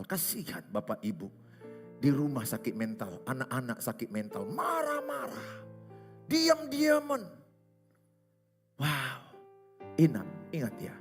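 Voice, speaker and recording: A pastor preaching a sermon, hammering points home with repetition and rhetorical questions. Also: male voice, medium pitch. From Indonesia. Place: large church hall. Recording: reverberant church hall with music.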